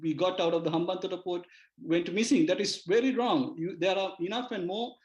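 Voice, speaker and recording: Sri lankan guy arguing on a news panel, highish voice, halting, roomy sound. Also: a little mellow, muffled recording. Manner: halting, repeating words and stumbling. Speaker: debate panelist. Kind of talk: argumentative live TV debate. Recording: roomy, echoing remote guest feed.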